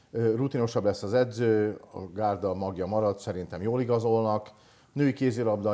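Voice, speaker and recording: With a dark, mellow tone and fairly even intonation, a man talks at a moderate pace. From Hungary. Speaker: sports journalist. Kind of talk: casual chat. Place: studio. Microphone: lapel.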